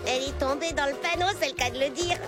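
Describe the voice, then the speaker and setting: A woman's voice: high-pitched, quick pace, loud music behind the voice, close to an everyday voice. A woman voicing a scheming cartoon villain who gloats over a trap. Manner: gloating, then frustrated.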